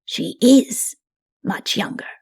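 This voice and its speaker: A woman's voice: slow, a little mellow, lightly acted. A woman voicing a solemn, patient, fatherly old patriarch in a fantasy audiobook, with grave, assured pronouncements. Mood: grave, reassuring.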